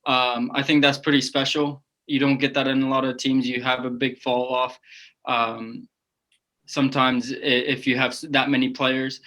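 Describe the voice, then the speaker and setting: A young man from South Africa, a native Afrikaans speaker, talking with a Southern accent and a slight Afrikaans edge, soft-spoken and measured. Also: medium pitch, little pitch movement. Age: young adult. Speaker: rugby player.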